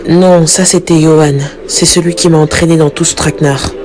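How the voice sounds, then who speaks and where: A woman's voice: sits low, steady tone, normal speed, crowd noise, lightly acted. A young woman playing a troubled, repentant daughter who fears death in a dramatic Christian cartoon. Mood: anguished, guilty. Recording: background music under the voice.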